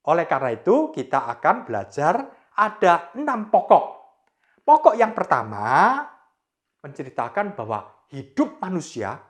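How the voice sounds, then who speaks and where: A woman's voice: sing-song, measured pace. A woman teaching a Sunday school class, telling a Bible story to children with dramatic exclamations. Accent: Indonesian. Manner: dramatic, exclaiming, swooping pitch.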